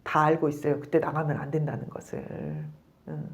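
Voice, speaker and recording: A woman's voice: sits low, a little fast. A middle-aged woman professor giving a lecture on family psychology, acting out parents' scolding lines as she goes. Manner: animated, acts out scolding parents in quotes. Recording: dull lo-fi sound.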